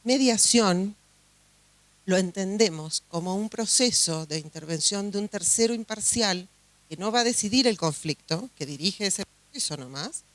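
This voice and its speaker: A woman's voice: mid-range voice, expressive, normal speed, dry recording. Uruguayan woman judge, chatty conference talk. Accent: Uruguayan Spanish. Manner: warm, chatty, many fillers and restarts. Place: conference hall.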